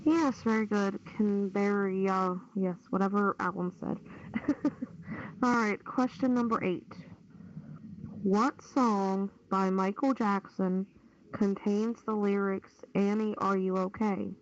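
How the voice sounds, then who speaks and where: A woman hosting a casual trivia quiz, reading questions at a slow, unhurried pace. Her medium-pitched voice comes through dull, lo-fi voice-chat audio with faint noise and clicks. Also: fairly even intonation. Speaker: quiz host. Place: online push-to-talk voice chat.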